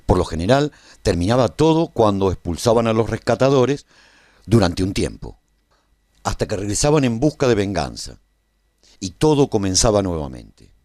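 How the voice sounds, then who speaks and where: An actor playing a tender, reflective survivor who narrates a post-apocalyptic radio serial in a measured, solemn way. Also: male voice, lowish voice, very animated, a little mellow, dry recording, clean studio sound. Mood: grave, reflective. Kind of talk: scripted first-person narration for a radio serial.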